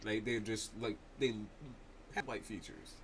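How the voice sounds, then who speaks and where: A man's voice: on the low side, steady tone, measured pace, a crowd in the background. A man with a slight lisp hosting a livestream, chatting loosely and swearing in casual banter. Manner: loose, profane, laughing banter. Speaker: tarot livestream host. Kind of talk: casual chat.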